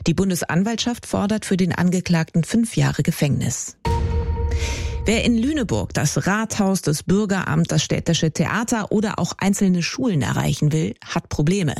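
A radio newsreader with a gravelly, creaky edge, reading in a formal, measured way. The sound is dry and close to a studio mic. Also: mid-range voice, a little mellow, no echo. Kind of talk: radio news bulletin.

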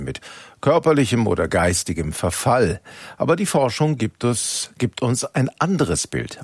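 A man presenting the news in a scripted, lively way from a studio. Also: on the low side, slightly rough, no echo.

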